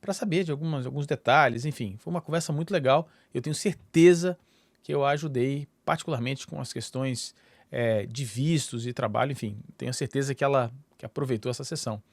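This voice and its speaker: Man from Brazil, middle-aged, casual channel host, rambling with fillers, mid-pitched voice, dry close sound. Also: fairly quick, creaky, dry recording. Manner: rambling, many fillers and restarts. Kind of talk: casual solo talk to camera.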